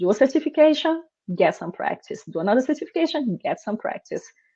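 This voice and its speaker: A woman with a non-native accent, a dark, mellow tone, lively intonation and a fairly quick pace. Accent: noticeable non-native English. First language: not English. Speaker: data analyst and course instructor. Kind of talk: live show interview. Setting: live online video show.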